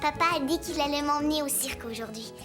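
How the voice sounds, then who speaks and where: A performer voicing a timid, curious four-year-old boy in an animated children's series, childlike and earnest. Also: high voice, fast talker, music in the background, lightly acted. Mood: excited.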